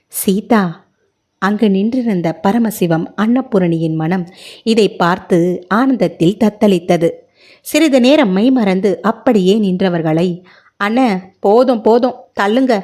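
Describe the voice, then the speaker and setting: A woman storyteller reads a family short story aloud. Her narration is slow and even, in a mid-pitched voice that never hurries.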